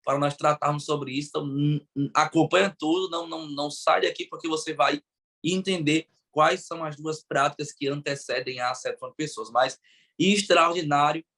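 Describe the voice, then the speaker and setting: A man's voice: on the high side, fairly even intonation, brisk, fairly bright tone. A man hosting a Bible study podcast discussion, speaking with enthusiastic, preacherly emphasis and a Brazilian Portuguese accent. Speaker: podcast host.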